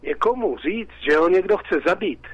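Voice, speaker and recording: A man's voice: sits high, lively intonation, husky, dry recording, dull audio. A Czech man calling in to a radio talk show, talking in an agitated, repetitive way. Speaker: caller.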